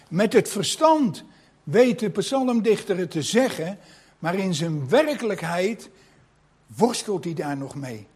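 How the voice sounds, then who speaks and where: A man gives a sermon at an unhurried pace in a fairly high voice. His tone is soft and slightly breathy, with a reflective, personal manner. He often turns to his listeners with rhetorical questions. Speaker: preacher.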